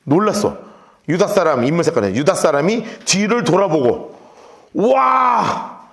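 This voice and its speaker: High, lively man teaching Bible. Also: brisk. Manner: animated, coaxing the class to take notes. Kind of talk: Bible lecture.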